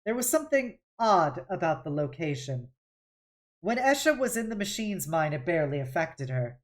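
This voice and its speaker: A woman reading a novel aloud on a stream, in a dramatic, expressive audiobook style. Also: on the low side, normal speed. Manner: dramatic, with occasional stumbles and self-corrections. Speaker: streamer hosting a read-along.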